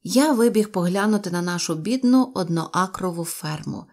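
A woman narrating a children's story aloud with a lively, expressive reading. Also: on the low side, moderate pace. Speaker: audiobook narrator.

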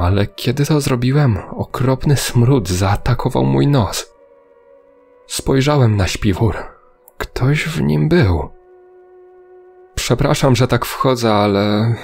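A man's voice: on the low side, gravelly, darkish tone. A man reading a scripted first-person horror story as narrator, over background music.

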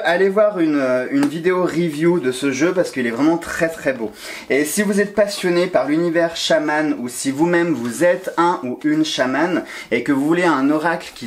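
A man vlogging at home while sorting his oracle decks, chatty and enthusiastic, with many fillers and restarts. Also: mid-range voice. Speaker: tarot and oracle card YouTuber. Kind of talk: casual vlog talking to viewers. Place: home during a move, sorting boxes.

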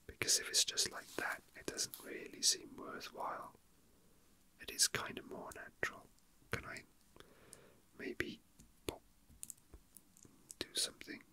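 Here a young man whispers breathily and quietly in the halting, leisurely murmur of ASMR. He's an ASMR video host at an indoor tabletop, seemingly chatting in passing while his hands work.

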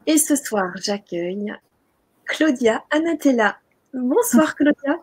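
A woman's voice: high voice, animated, slow pace, darkish tone, husky. A woman hosting a live online interview, welcoming her guest and talking directly to the chat audience. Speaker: host. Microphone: video call.

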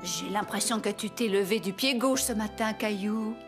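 A woman's voice: mid-range voice, normal speed, close to an everyday voice. A woman voicing a kindly, cheerful grandmother in a cartoon, with an affectionate sing-song manner. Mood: gentle, reassuring. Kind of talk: French-language cartoon voice acting. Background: music.

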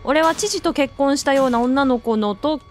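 A woman reading out the lines of a deranged, obsessive male killer from a horror game in a flat, read-aloud way. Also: high-pitched, normal speed, soft background music, close to an everyday voice.

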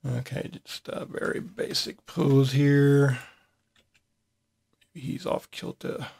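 A man hosting a casual screen-recorded tutorial, his voice at an ordinary middle pitch. He thinks aloud as he works, loose and unhurried. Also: vocal fry, breathy edge. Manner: thinking aloud with fillers and restarts, relaxed. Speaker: software tutorial host.

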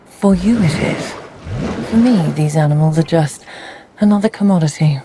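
An actress playing a cool, mercenary black-market dealer in a video game, detached and businesslike. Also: female voice, sits low, normal speed, noisy background, lightly acted. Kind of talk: video game cutscene acting.

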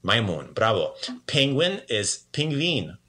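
A man teaching a casual language lesson in an upbeat, chatty way, repeating words slowly for learners. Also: on the low side, very animated, pushed and bright.

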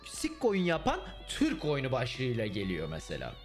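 A man's voice: medium pitch, wildly swooping pitch, normal speed. A young man, chatting casually with his stream viewers in a blunt, swearing manner. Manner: blunt, swears and mocks freely. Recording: faint music underneath.

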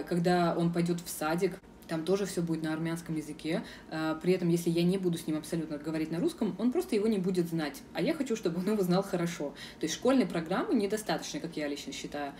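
A young woman from Russia speaks frankly in a casual vlog, pausing often on filler sounds. Her voice sits a little low and sounds soft and mellow. She is recorded outdoors from some distance, with faint street noise behind her. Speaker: vlogger. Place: outdoors in a city square.

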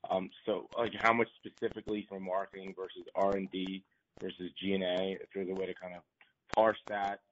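A man's voice: sits low, little pitch movement, brisk, slight background noise. A male financial analyst asking questions on an earnings call in hesitant, circling phrases. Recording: muffled conference call line.

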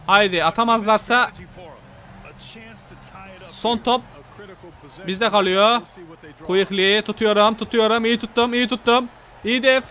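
A man giving excited gameplay commentary as a gaming YouTuber, shouting at the players on screen and at his viewers, his voice going hoarse. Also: high voice.

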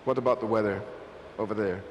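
A man's voice: fairly low pitch, fairly even intonation, fast. An older man hosting a live stage interview on a large concert stage, chatty and laughing, on a handheld mic. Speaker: show host. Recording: arena reverb with crowd noise.

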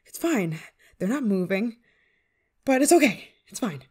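A woman's voice: mid-range voice, big pitch swings, unhurried, darkish tone, husky. A woman playing a flustered, affectionate novice witch in an ASMR roleplay, speaking in a hesitant, fretful way. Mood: worried, flustered. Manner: hesitant, stammering, fretful, sighing. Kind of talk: ASMR roleplay monologue to the listener.

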